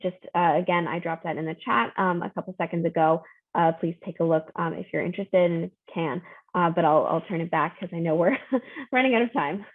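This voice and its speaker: A woman giving quick federal updates in an online meeting, hurrying through with many fillers. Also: on the low side, dry recording, phone-quality sound. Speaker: advocacy staffer.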